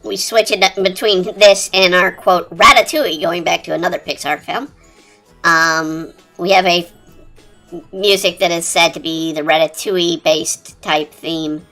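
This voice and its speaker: A streamer talking through a high-pitched chipmunk voice changer in rambling, casual chat while drawing. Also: fairly even intonation, a little slow. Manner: rambling, chatty, lots of fillers. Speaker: art streamer. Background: quiet cafe-style background music.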